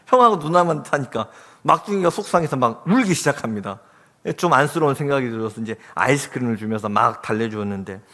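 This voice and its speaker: A pastor in his forties preaching a sermon, telling a family story earnestly and acting out the voices in it. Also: mid-range voice. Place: church sanctuary. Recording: long reverb of a church hall.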